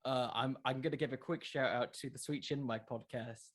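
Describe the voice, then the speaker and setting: A man's voice: mid-range voice, fairly even intonation, moderate pace. A man answering questions in a casual interview, thinking aloud and repeating words as he goes. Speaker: podcast creator, interview guest. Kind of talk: casual interview chat about wrestling fiction.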